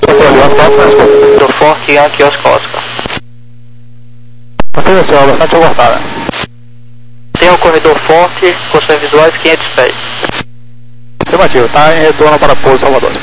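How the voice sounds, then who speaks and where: A man's voice: a little high, very animated, moderate pace, long pauses. A man exchanging clipped, procedural aviation messages over a crackly radio. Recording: noisy crackly radio transmission.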